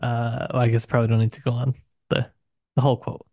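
A man with a mid-pitched voice talks through books as a podcast co-host. His delivery is casual and discursive, full of hedges and asides. The recording is dry, with little room sound. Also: little pitch movement, fast, darkish tone, no echo.

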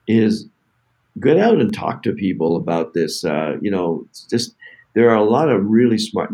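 A man, a company founder and CEO, answering podcast interview questions in a halting way with many fillers and restarts. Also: on the low side, a little mellow.

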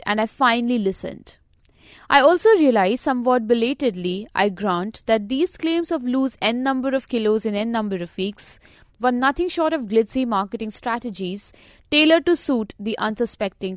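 A middle-aged woman reading her own scripted personal story as a podcast narrator, measured, wry and reflective. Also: a little high, dry recording, studio quality.

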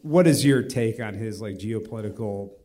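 A man's voice: lowish voice, dark tone. Hesitant young man asking a question. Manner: hesitant, halting. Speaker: audience member asking a question. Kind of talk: questions from the audience.

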